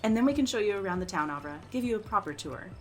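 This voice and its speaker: A woman's voice: medium pitch, animated, very fast, soft background music, natural voice. A woman playing a brash, friendly young townswoman in an audio drama, slangy and full of playful ribbing. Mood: friendly, eager.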